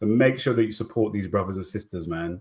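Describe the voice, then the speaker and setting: This man speaks with an East London accent. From England, East London. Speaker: YouTube host on African history. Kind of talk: casual livestream chat. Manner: halting, frequent repetitions and fillers.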